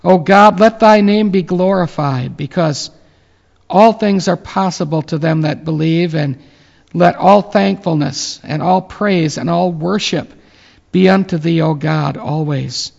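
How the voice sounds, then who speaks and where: A man in his late fifties with a deeply gravelly, slightly high voice leads a reverent prayer. He talks earnestly, pausing with fillers. The recording is dull and carries a long reverb. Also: a little mellow. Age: 50s. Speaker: pastor. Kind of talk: closing remarks and prayer.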